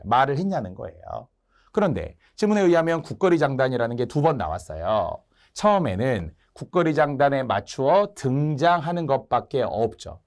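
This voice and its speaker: A male lecturer talks through an exam question with a lively, swooping pitch. He keeps things animated and acts out quoted lines in little character voices. It is a recorded exam prep class.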